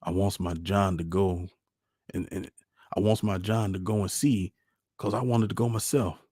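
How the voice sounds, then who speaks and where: A man playing a gentle, wistful country father with a rural Southern accent and a folksy, plainspoken manner in a storybook reading. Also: low-pitched, steady tone, moderate pace, no room sound, studio quality. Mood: firm, wistful.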